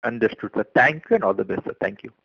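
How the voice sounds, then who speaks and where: A man's voice: fairly low pitch, animated, fast talker, gravelly, slightly rough. An Indian-accented man, a financial analyst putting formal questions on a conference call. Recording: dull, dry phone conference line.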